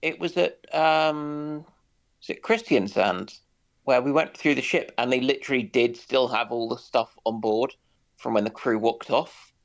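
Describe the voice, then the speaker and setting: A man in casual discussion on a naval history stream, speaking haltingly with dry humour. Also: mid-range voice. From United Kingdom.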